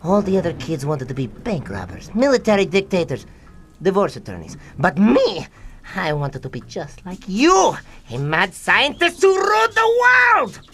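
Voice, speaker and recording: Pompous young male mad scientist, bright and forceful. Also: medium pitch, huge pitch swings, normal speed. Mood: grandiose outrage. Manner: grandiose, indignant, melodramatic. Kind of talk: comedic radio drama acting. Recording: music behind the voice.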